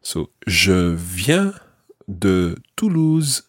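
A man hosting a podcast language lesson, modelling phrases slowly and clearly for a learner. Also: sits low, sing-song, no room sound, studio quality. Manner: slow, clear teaching delivery with drawn-out model phrases. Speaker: language teacher and podcast host.

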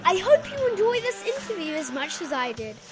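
A woman's voice: extremely high pitch, very animated, brisk, music in the background. A woman with a New Zealand accent hosting an interview, reading an earnest scripted intro and asking questions. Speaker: podcast host, interviewer.

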